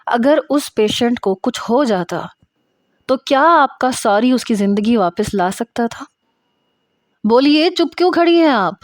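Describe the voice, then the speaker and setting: A woman's voice: medium pitch, no echo, studio quality, lightly acted. A woman voicing a stern, angry male senior doctor in a story narration, with a harsh, emphatic, reprimanding manner. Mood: loud, furious.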